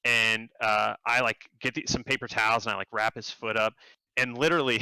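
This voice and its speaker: Gravelly, bright-toned man telling stories. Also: moderate pace, dry recording, rough recording. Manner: animated, acts out quotes in a higher voice. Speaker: game developer guest. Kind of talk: casual storytelling interview.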